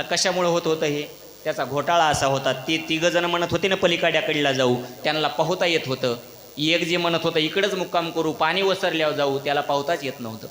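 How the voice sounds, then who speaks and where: A man delivers a devotional kirtan sermon, telling a story and acting out its characters as he goes. His voice is bright and forceful and sits somewhat high. The sound rings through a large hall with a long, roomy reverb. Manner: animated storyteller, acts out characters, questions the audience. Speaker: kirtan preacher. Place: large echoey hall at a religious gathering.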